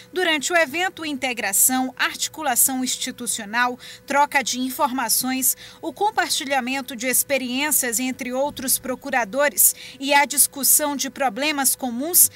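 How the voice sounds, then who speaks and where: A woman's voice: high voice, bright, forceful tone. A woman reporter narrating a news story in a formal scripted read.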